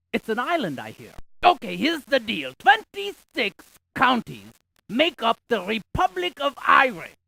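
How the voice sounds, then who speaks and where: A woman's voice: sits high, creaky, a bit bright, no room sound, exaggerated voice, rough recording. A woman playing a quirky, chatty scientist in an educational game, delivering facts with theatrical emphasis and wordplay. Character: quirky, chatty female scientist spouting geography trivia. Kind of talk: animated educational game character lines.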